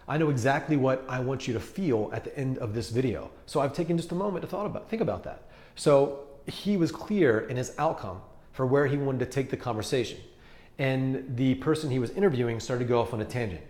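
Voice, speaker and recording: A man's voice: medium pitch, darkish tone. A man working as a coach, explaining ideas earnestly to the camera and repeating words as he thinks. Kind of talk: talking-to-camera teaching video. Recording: roomy echo.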